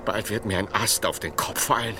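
An actor playing a weary, ecstatic medieval master scholar in a radio play, halting and breathy in his exclamations, prone to giddiness. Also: lowish voice, background noise, close to an everyday voice. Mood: solemn resignation. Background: music.

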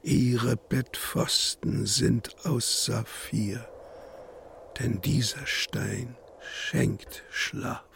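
Gravelly, solemn poetic narrator. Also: male voice, mid-range voice, drawn-out words, fairly bright tone, slight background noise, full character voice. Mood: measured, solemn. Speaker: actor reciting poetry. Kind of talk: literary radio drama recitation.

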